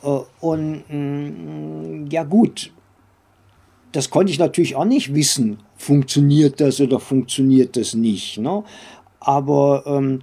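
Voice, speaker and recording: An older man recounting memories in an interview, speaking haltingly with many drawn-out hesitations and little tag questions. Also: mid-range voice, vocal fry, mellow. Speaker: interview guest, former comics editor and publisher.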